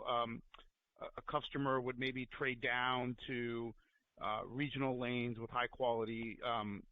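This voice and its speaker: A man asking long unscripted questions as a financial analyst on a conference call, thinking aloud as he goes. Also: medium pitch. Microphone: telephone conference call. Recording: narrow tinny phone line.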